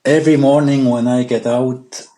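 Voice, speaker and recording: A middle-aged man from Switzerland with a Swiss accent, a guest telling his story in a podcast interview, pausing often and restarting his sentences. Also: medium pitch, fairly even intonation, dark tone. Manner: halting, with frequent pauses and restarts. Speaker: guest wildlife photographer.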